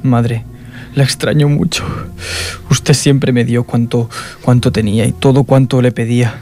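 A man acts out a naive, spoiled heir of a noble family. He speaks in a middle-pitched voice with hesitant, stammering politeness. The tone is plaintive and timid, in comedy-drama style. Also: flat delivery, a little slow, a little mellow, faint music behind, natural voice. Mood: tearful longing. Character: timid, pampered, gullible aristocratic son, naive and plaintive. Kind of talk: scripted comedy-drama acting.

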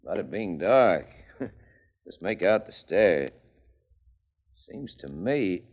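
An actor playing a blunt, cocky male political boss in a 1940s radio drama, talking in an unhurried, menacing way. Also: sits low, big pitch swings, muffled recording, heavily acted. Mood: brisk.

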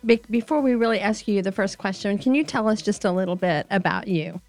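A woman's voice: mid-range voice, brisk, soft background music. A woman hosting a podcast, interviewing guests in a conversational style. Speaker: podcast host.

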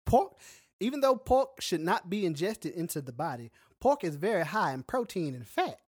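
A man's voice: sits high, very animated, normal speed, darkish tone, husky, dry recording, studio quality. A man co-hosting a podcast, chatting casually and joking with playful exaggeration. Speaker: podcast co-host.

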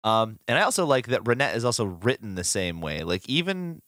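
A man's voice: lowish voice, very animated, a little fast, a bit bright, no echo, clean studio sound. A man co-hosting a podcast, chatting casually and eagerly about comics, just over the flu. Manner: enthusiastic fan talk with fillers. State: recovering from the flu. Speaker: podcast co-host. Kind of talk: casual comic book discussion.

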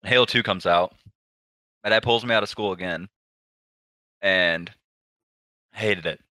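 A man in his twenties, a pro gamer guest, telling stories in a relaxed, low-key way with lots of fillers. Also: a little slow, no room sound, low-quality recording. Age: 20s. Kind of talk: casual interview storytelling.

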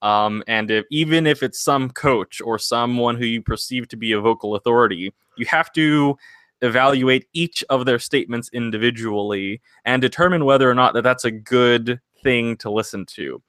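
A man's voice: medium pitch, moderate pace, a bit bright, smooth, no echo. A man hosting a singing podcast, talking casually and earnestly, rambling into motivational encouragement. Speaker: singing podcast host and vocal coach.

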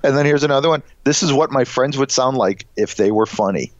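A man's voice: mid-range voice, fairly quick, dry recording, lo-fi sound. A man with a Chicago accent and a nasal voice, co-hosting a podcast in casual, joking chat. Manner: joking, laughs often. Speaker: podcast co-host.

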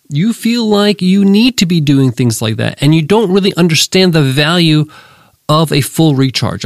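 With a fairly high, gravelly voice, a male podcast host delivers a business lesson straight to his listeners, upbeat and motivational. He's clearly got a cold, sounding nasal and congested, and the studio-quality recording is dry.

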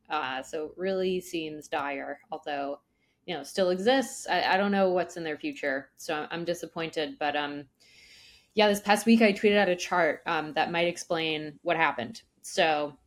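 A woman giving conversational analysis, explaining step by step and posing questions that she then answers. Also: on the low side. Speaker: analyst guest on an investment show.

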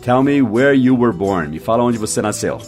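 A man's voice: mid-range voice, expressive, over loud music. Man teaching English in Portuguese. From United States. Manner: patient, slow spelling and repetition. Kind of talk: online English lesson in Portuguese.

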